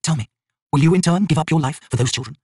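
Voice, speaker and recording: A man's voice: a little high, quick pace, a little mellow, husky, dry recording, clean studio sound, voice pushed up. A man playing a grim young male tribal shaman in a fantasy audiobook, speaking with cold, urgent force.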